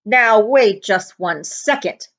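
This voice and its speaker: A woman voicing a huge, gruff, hot-tempered wizard man from a storybook, blunt and emphatic, with drawn-out words. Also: medium pitch, expressive, fairly bright tone. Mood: indignant.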